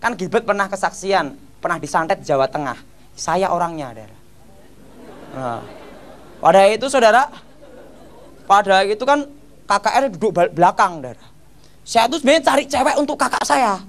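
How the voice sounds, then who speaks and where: Animated man. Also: high-pitched, normal speed, long pauses, some chatter behind. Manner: animated storytelling, keeps addressing listeners as "brothers". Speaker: testimony speaker. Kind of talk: church testimony.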